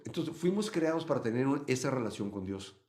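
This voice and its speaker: A man from Mexico, teaching a live Bible study and answering chat comments, swinging between loud emphasis and quiet asides. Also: mid-range voice, animated, fairly quick.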